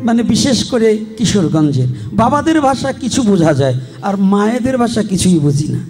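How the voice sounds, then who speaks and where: High-voiced Faridpur Bengali preacher, teasing. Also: male voice, normal speed, music in the background. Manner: lively, teasing the audience with questions, breaks into chanting. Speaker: Bhagavata preacher. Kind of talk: live devotional sermon to a crowd.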